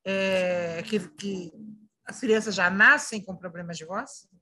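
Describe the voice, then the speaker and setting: A woman's voice: medium pitch, fairly even intonation, slow, sharp tone. A Brazilian woman hosting an interview, asking questions in a conversational style. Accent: Brazilian Portuguese. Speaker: interview host.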